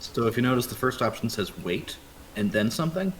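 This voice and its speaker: Man, co-host, explains game rules, helpful, lively pitch. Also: a little fast, slight background noise. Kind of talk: casual explaining chat.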